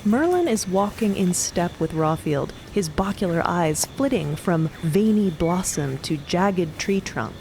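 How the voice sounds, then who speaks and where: A woman's voice: lowish voice, expressive, measured pace, hardly any pauses, darkish tone, a little hiss or hum, low-quality recording. A woman narrating a fiction podcast in a dramatic storytelling style.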